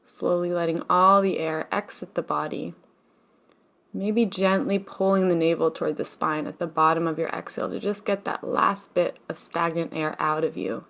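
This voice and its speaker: A woman leading a guided meditation as a teacher, speaking in a gentle, soothing, unhurried manner with long pauses. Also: fairly low pitch, fairly even intonation, gravelly.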